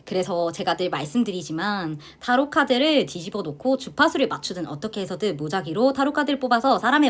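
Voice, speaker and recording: A middle-aged woman from South Korea teaching a tarot class, talking in a chatty, animated way and often addressing her listeners directly. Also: mid-range voice. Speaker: tarot instructor. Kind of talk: lecture to students.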